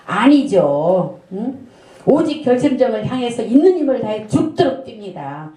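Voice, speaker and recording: Woman pastor, sermon, mellow higher voice, echoey sanctuary. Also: very animated, normal speed. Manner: earnest, storytelling with rhetorical questions. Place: church sanctuary. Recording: echoey church room.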